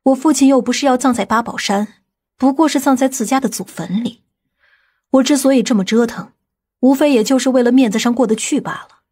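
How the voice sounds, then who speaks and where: A woman playing a stern, commanding woman from a powerful family in an audiobook drama, speaking gravely and deliberately. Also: sits high, a little mellow. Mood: assured, grave.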